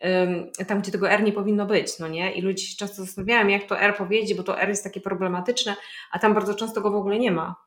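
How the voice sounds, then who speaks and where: A woman's voice: medium pitch, steady tone, fast, roomy sound. A woman guest in a casual interview who explains language learning at length, thinking aloud with fillers and restarts. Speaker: polyglot guest.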